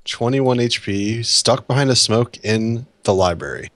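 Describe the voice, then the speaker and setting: A man co-commentating an esports match, offering relaxed, conversational analysis on a headset mic. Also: medium pitch, a little slow, no echo.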